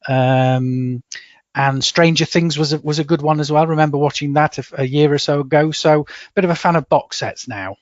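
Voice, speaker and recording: A middle-aged man from England with a lilt is a guest on a casual podcast interview, chatty and hesitant, often repeating words before finding them and laughing at himself. His voice sits a little high for a man, at normal speed. The audio is dry and somewhat muffled, with no room sound.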